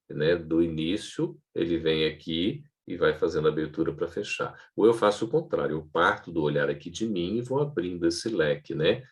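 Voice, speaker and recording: A man giving an online training lecture on public speaking to camera, in a lively teaching tone with frequent checking asides. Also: low-pitched, breathy edge.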